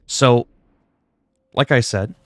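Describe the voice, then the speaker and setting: This man, a native French speaker from Canada, takes it slowly at medium pitch with no echo as he chats on a livestream. The rambling talk is casual, salty and self-deprecating, with free swearing.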